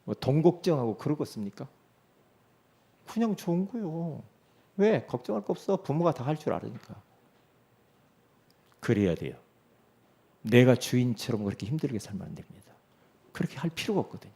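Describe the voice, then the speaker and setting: A middle-aged man preaching a sermon as pastor, emphatic, asking rhetorical questions and swinging between loud declarations and soft asides. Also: medium pitch, big pitch swings, normal speed, vocal fry, long pauses, slightly rough.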